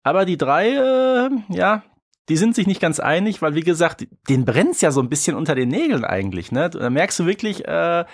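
A man's voice: fairly high pitch, very animated, brisk, no echo, studio quality. A man co-hosting a podcast in casual, colloquial chat, often tagging questions onto his remarks. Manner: colloquial, seeks agreement with tag questions. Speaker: podcast co-host. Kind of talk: casual chat reviewing a story.

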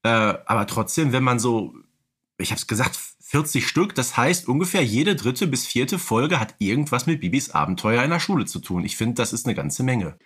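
A man speaks as a podcast co-host. His pitch is in the middle range for a male voice. He talks in a casual, humorous, conversational style. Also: lively intonation, normal speed, a bit bright, husky.

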